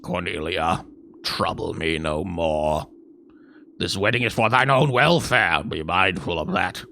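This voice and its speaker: A man's voice: low voice, a little slow, gravelly, bright, forceful tone, slight background noise, voice pushed down, full character voice. A man playing a pompous, stern old king and father in grand, archaic stage style for a fantasy game.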